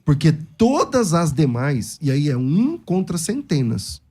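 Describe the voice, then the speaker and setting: A man's voice: on the high side, sing-song, a little slow, a little mellow, husky. A man arguing his side in a theological debate, emphatic and argumentative. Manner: emphatic, argumentative, acts out quoted speech.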